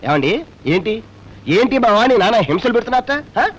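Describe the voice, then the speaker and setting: A man's voice: sits high, very animated, moderate pace. An actor playing a fussy, preachy comic male friend who lectures with theatrical repetition in a Telugu film comedy. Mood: indignant.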